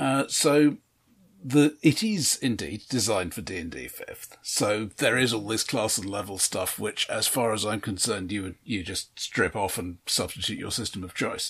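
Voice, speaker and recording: Here a man uses a normal speaking voice, fairly low in pitch, at a moderate pace. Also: lively intonation. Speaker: podcast host. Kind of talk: casual chat.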